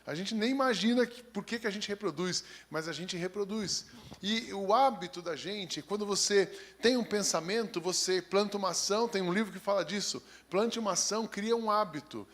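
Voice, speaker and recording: Paulistano pastor guy, highish voice, reads the bible then jokes around with the church. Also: moderate pace, fairly bright tone. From São Paulo, Brazil. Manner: reads scripture steadily, then chats in a folksy, joking way. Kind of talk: sermon with scripture reading.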